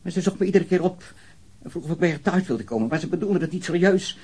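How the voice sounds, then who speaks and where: An actor playing a disturbed, self-righteous male murder suspect full of loathing in a radio crime drama, speaking in a halting, repetitive way with a husky, breathy voice. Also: high-pitched, lively intonation, a little mellow. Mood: drained, evasive.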